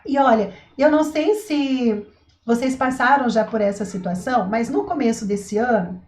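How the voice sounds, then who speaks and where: Woman, parenting educator, casual vlog talk, chatty and a bit high-pitched, roomy echo. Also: moderate pace, darkish tone. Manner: chatty, asks rhetorical questions, says "né" and "tá" often. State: throat itch, coughs now and then.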